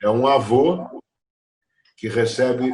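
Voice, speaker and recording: A man speaks at a medium pitch. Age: 70s. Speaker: actor and director. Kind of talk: interview.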